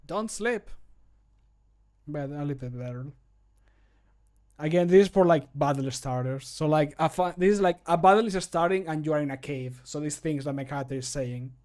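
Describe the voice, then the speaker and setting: A man's voice: on the high side, a little fast, darkish tone. A man in his thirties chatting casually and playfully on a livestream, rambling as he works, close to the microphone. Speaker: streamer recording mod voice lines. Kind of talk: casual livestream commentary while working. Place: small home room with computer. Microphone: close desk microphone.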